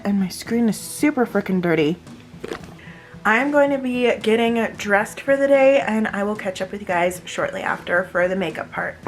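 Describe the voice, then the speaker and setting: A woman vlogger chatting casually and informally to her viewers in a day-in-the-life style. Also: mid-range voice.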